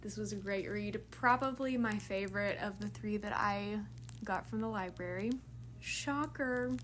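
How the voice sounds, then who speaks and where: An echo from the room can be heard. The delivery is fairly slow. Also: woman. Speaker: book vlogger. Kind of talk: casual chat. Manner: animated.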